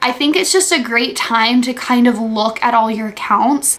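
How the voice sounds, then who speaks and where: Her voice sits high in pitch, with ordinary pitch variation. The woman is heard over noticeable background noise. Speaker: lifestyle vlogger. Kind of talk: casual vlog talk. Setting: home.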